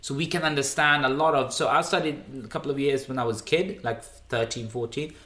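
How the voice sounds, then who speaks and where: A man's voice: mid-range voice, brisk, reverberant. A man in his twenties, a native Swedish speaker, talking emphatically as a podcast guest and often restarting his words. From Sweden. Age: 20s. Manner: animated, emphatic, repeats words when starting. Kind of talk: casual podcast interview.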